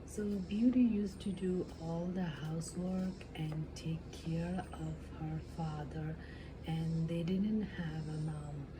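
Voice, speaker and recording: A woman telling a fairy tale as an ASMR storyteller, in simple, halting, improvised phrases. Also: deep voice, music in the background. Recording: clearly noisy background.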